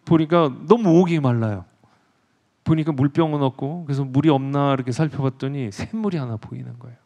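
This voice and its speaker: A male professor telling myths in a lecture, animated, acting out characters and asking the audience questions. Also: mid-range voice, fairly quick, highs cut off. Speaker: professor giving a public lecture.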